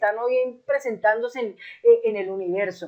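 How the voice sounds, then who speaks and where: At a moderate pace, a woman talks with a fairly high pitch and an unremarkable speaking voice. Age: 60s. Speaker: online computer course teacher. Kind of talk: tutorial video outro, personal appeal. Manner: conversational, repetitive.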